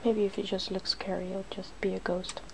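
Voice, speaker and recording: Female ASMR host, soft-spoken with whispery moments, gravelly fry in the voice, clear background noise. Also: medium pitch, little pitch movement, brisk, low-quality recording.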